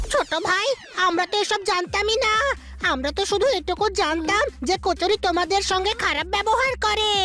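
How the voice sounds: Clear background noise runs behind a cartoonish character voice. It is pitched extremely high and moves at a moderate pace.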